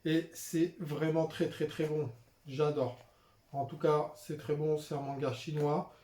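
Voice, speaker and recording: A young man talks casually to his viewers in a fairly high, mellow voice, filling pauses with hesitations. The room rings with a noticeable echo. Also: level tone. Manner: chatty, with frequent "euh" and "voilà" fillers. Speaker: manga vlogger showing his purchases. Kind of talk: casual unscripted vlog chat. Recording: roomy echoey room.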